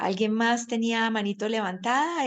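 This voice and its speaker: A woman has an unremarkable speaking voice, fairly high in pitch, with ordinary pitch variation. She speaks at a moderate pace against a quiet background. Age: 60s. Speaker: course instructor. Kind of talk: online course session. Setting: video call.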